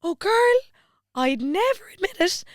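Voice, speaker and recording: Brash Cork woman makeup artist, loud and high, put on by a woman host. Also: sing-song, measured pace, no room sound, studio quality, exaggerated voice. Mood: gleeful. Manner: loud, gleeful, high-pitched.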